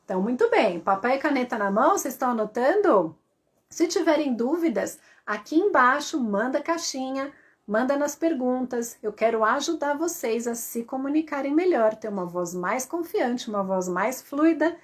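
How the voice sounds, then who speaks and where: A woman voice coach giving a lively live-stream lesson, asking her viewers rhetorical questions. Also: high voice, normal speed.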